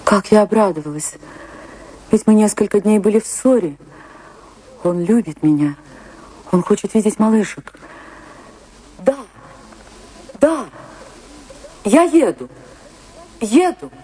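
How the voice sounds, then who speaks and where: A woman's voice: mid-range voice, expressive, dark tone, husky, low-quality recording. An actress playing a romantic, anguished woman dancer who tells her tragic love story in a theatrical, emotive radio monologue. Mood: excited. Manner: theatrical, wistful, emotive delivery with dramatic pauses. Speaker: actress narrating a radio play. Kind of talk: dramatic first-person radio play monologue. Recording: radio play with music behind.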